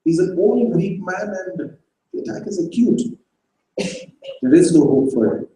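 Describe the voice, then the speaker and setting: A man playing a brisk middle-aged doctor giving a measured, matter-of-fact bedside report in a stage reading. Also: sits high, expressive, dark tone, echoey room, a little hiss or hum, voice pushed up, low-quality recording. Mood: grave.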